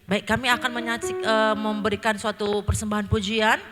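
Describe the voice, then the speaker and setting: A woman's voice: mid-range voice, flat delivery, a little fast. A woman giving an earnest, emotional testimony at a worship service and addressing the congregation. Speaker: church member giving testimony. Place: church hall. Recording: long church-hall reverb with loud music. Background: loud worship music.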